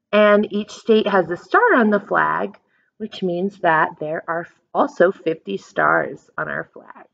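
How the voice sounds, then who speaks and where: An American woman with a gravelly voice reads a picture book aloud to young children, her pitch rising and falling in a lively, expressive way. Like an elementary teacher, she explains things simply and asks her listeners questions. The lo-fi recording sounds slightly muffled.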